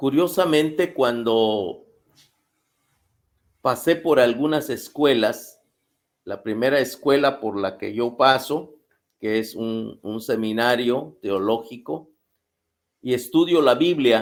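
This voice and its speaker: Speaking very slowly with long, frequent pauses, a man with a Yucatán accent keeps a medium pitch and ordinary pitch variation. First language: Yucatec Maya (speaking Spanish). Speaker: Maya culture expert and land defender. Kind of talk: invited talk.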